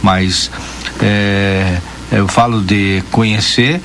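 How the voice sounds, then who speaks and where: A man's voice: fairly low pitch, steady tone, very slow, noisy background. A man in his fifties from Rio de Janeiro who has long lived in southern Brazil, telling rambling nostalgic anecdotes in a casual radio chat. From Rio de Janeiro, Brazil, living in Rio Grande do Sul.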